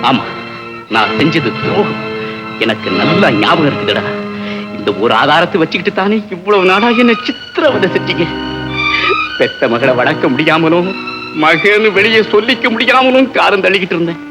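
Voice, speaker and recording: A man's voice: sits high, lively intonation, normal speed. A man playing a guilty father confessing his treachery in dramatic 1960s film dialogue. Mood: remorseful. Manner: anguished confession, dramatic swings. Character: guilty older father confessing past wrongs. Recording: old film soundtrack with loud music.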